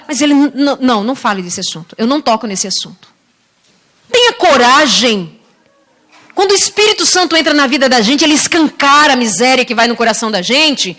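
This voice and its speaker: A woman's voice: sits high, pushed and bright. A middle-aged woman preacher from Brazil giving a sermon, telling stories expressively and acting out the voices of the people she quotes.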